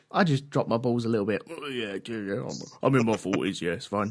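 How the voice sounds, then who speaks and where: A man with a South London accent at a fairly quick pace. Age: 30s. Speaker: podcast host. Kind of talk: casual chat.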